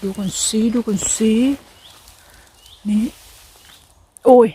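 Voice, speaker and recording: A young adult woman chatting casually to her viewers while foraging outdoors in a forest, with excited exclamations. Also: slow, a little hiss or hum. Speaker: vlogger.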